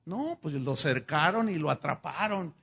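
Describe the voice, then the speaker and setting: Gravelly pastor telling a story. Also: male voice, on the high side, measured pace. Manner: animated, chatty storyteller with fillers. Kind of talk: sermon storytelling.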